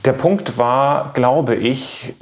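A man from Bavaria, a trained baritone, giving reflective, measured interview answers and searching for his words. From Bavaria, Germany. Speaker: classical baritone singer being interviewed.

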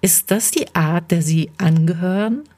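A woman's voice: on the low side, measured pace, dark tone. A woman reading the part of a male psychologist who questions his patient in an insistent, lecturing way.

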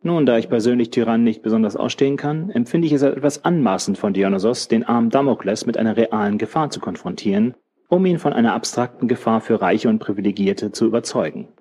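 A man voicing a learned old man who explains a legend in a measured, lecturing way. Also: medium pitch, darkish tone, husky, natural voice. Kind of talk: audiobook character voice.

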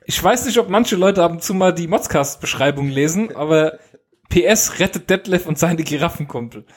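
A man chatting on a relaxed podcast, reading out listener mail with a teasing edge. His voice sits slightly high for a man. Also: moderate pace. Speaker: podcast co-host. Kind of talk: casual podcast chat. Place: home.

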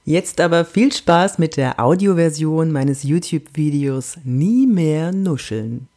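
A woman from Franconia hosting a coaching podcast, animated and emphatic, with whispered asides. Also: low-pitched, takes it slowly. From Franconia, Germany. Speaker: podcast host and body-language coach.

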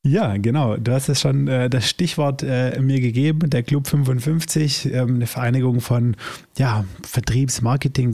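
A man of medium pitch with a gravelly edge hosts a podcast interview. He asks his questions in a friendly, meandering way, full of fillers and restarts. The sound is dry and close to the mic. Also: mellow, dry recording. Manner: friendly, halting, many fillers. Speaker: podcast host. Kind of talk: casual interview chat.

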